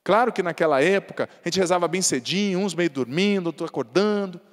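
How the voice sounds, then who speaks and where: A man's voice: high-pitched, brisk, long reverb tail. A Brazilian man giving a Catholic sermon in a folksy, humorous way, often adding tag questions. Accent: Brazilian Portuguese. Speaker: Catholic priest.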